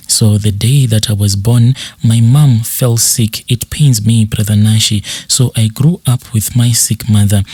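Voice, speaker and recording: A man with a South African accent narrates a listener's confession in a measured, earnest way. His voice sits low and mellow. It sounds close and dry, with no room around it. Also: no room sound. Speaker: channel host narrating a listener's story.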